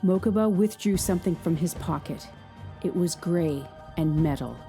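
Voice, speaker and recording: A female narrator reads a dramatic story aloud in a measured, scripted way, leaning into the tense moments. Her voice is fairly low, mellow and darker in tone, with faint music playing underneath.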